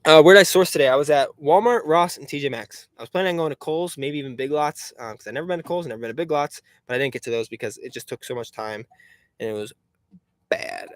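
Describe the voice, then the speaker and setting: A man's voice: on the high side, fast talker, dry recording. A man in his twenties chatting casually on a live stream, reading out chat questions and grumbling aside about a website that keeps failing. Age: 20s. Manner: chatty and rambling, reads chat questions aloud, frustrated asides. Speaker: online reseller hosting a live stream.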